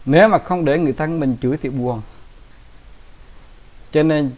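A man giving a Buddhist dharma talk in a plain, conversational way with gentle humor. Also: fairly high pitch, normal speed. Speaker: Buddhist teacher. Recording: dull lo-fi recording.

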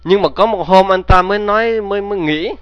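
A man's voice: high-pitched, fairly quick, fairly bright tone, no echo. Man telling a folk tale to listeners. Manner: addresses listeners with rhetorical questions. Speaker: storyteller.

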